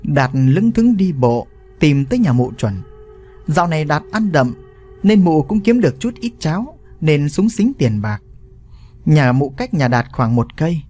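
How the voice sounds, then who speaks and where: A man narrates a story with an animated, lively delivery and a fairly high voice. Soft music plays faintly underneath. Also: measured pace.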